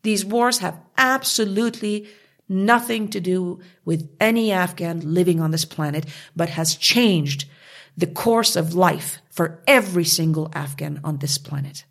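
Lady on an interview, husky lowish voice, gets fired up and emphatic. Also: measured pace. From Canada. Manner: passionate, emphatic, with rising outbursts. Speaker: guest. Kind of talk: conversational interview.

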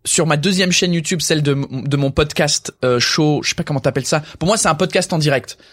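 A young man from England, a podcast guest and comedian, chatting casually in a relaxed, hesitant way with many fillers. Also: on the high side, brisk, no room sound, clean studio sound.

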